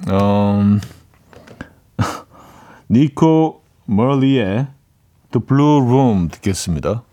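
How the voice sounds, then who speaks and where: A male radio host talks in a relaxed, chatty way as he reads out listener messages. He laughs often and slips into playful imitations. The sound is clean and close, from a studio microphone. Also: on the low side, drawn-out words, dull audio. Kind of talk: casual radio chat reading listener messages.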